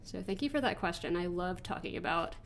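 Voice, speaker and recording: A woman's voice: lowish voice, expressive, fairly quick. A woman in her twenties with an American accent, stuffy from allergies, chatting casually as she answers viewer questions over gameplay. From United States. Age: 20s. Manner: chatty, rambling, frequent ums and restarts. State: congested from allergies. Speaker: gaming channel host.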